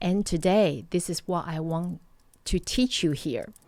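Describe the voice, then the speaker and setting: Speaking at a fairly slow pace with a Mandarin accent, a woman uses a fairly low pitch, a dark, mellow tone and ordinary pitch variation. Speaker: life coach. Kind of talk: online training presentation. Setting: online webinar. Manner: animated.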